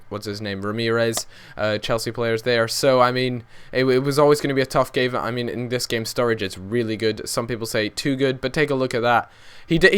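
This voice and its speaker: A man talks over his gameplay in a loose, rambling way, full of ums and asides. He has a slight cough that makes him a touch croaky. His voice sits at an ordinary pitch and comes across smooth and clear. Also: fairly bright tone. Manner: chatty, rambling with fillers. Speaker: gaming commentator.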